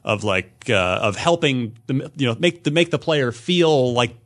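A man in a casual panel discussion about video games, speaking haltingly as he searches for words while explaining. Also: mid-range voice, expressive, a bit bright. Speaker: podcast host.

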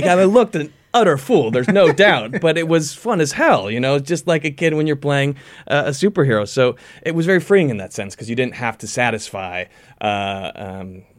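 A man's voice: medium pitch, dry recording. A man speaking as an actor being interviewed, casual and self-deprecating, often searching for his words.

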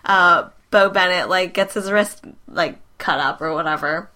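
A woman in a casual hockey chat, animated and rambling, with some profanity. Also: lowish voice, measured pace.

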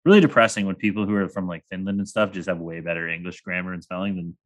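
A man's voice: low voice, fast. A young man hosting a sports podcast in casual chat, rambling and joking with crude humor. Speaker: podcast host.

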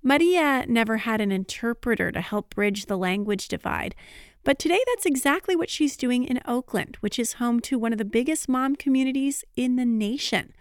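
A woman hosting a radio news program, reading scripted segments in a clear, measured way. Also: on the high side, animated, dry recording, studio quality.

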